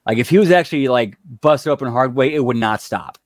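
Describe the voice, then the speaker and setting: Man, podcast co-host, casual, says like a lot, mid pitch, dry close sound. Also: no echo. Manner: quick opinions, lots of "like". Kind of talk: casual wrestling recap chat.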